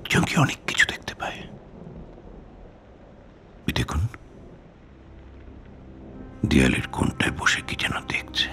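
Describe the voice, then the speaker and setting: An actor playing an eerie middle-aged man who keeps a cat, soft-spoken and creepy, slipping into whispers. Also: deep voice, vocal fry, exaggerated voice. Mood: ominous whisper. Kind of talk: film dialogue.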